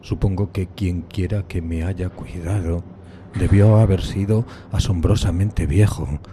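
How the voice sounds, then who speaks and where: An actor playing a tormented, solitary outcast in a gothic horror audiodrama, speaking in a brooding, solemn, halting dramatic way. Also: male voice, low voice, steady tone, noisy background. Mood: desolate, brooding. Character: tormented solitary outcast man recalling a decayed gothic castle. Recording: music bed behind the voice.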